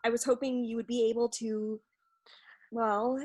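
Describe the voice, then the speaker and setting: A woman's voice: fairly high pitch, level tone, unhurried, darkish tone. A woman playing an anxious, desperate playwright in a comedy sketch, hesitant and melodramatic. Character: anxious, pleading female playwright desperate to save her script. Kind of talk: comedy sketch staged reading.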